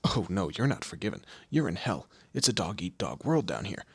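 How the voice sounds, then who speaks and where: A man playing a commanding, teasing demon lord in an audio roleplay, with a low gravelly, husky voice and an imperious, theatrical manner. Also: big pitch swings, brisk, no room sound, heavily acted. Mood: probing, menacing. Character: male demon lord, commanding, menacing, teasing boss of hell. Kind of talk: scripted audio roleplay addressed to the listener.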